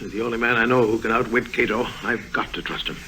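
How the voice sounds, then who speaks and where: A worried, pompous middle-aged governor, played by an actor in an old radio play. He sounds bright and earnest, and he stumbles when he is flustered. Faint noise sits under his voice. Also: medium pitch, fairly even intonation, fast talker, natural voice, low-quality recording. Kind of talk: 1950s radio drama acting. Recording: old vintage radio broadcast.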